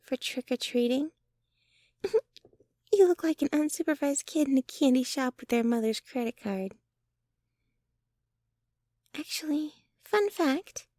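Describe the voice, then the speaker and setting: A woman playing a sweet, shy, obsessively devoted young girlfriend in an ASMR roleplay, speaking softly and bashfully, often close to a whisper. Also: high voice, animated, dry recording. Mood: playful, teasing. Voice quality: soft, breathy, often near whisper. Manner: bashful, giggly, halting, gushing. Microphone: close microphone, dry sound.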